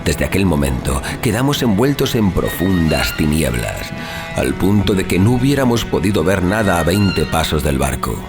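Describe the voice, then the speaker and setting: A man with a low voice narrates a gothic horror tale. His delivery is solemn and suspenseful, with highly varied intonation, and music plays clearly underneath. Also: big pitch swings, moderate pace. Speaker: storyteller, audiobook narrator. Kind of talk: dramatic scripted horror narration.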